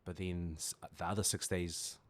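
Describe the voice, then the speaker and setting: Deep-voiced New man, thoughtful. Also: little pitch movement. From New Zealand. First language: Samoan. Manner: thoughtful, pauses to find words. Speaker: guest. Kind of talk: reflective podcast conversation.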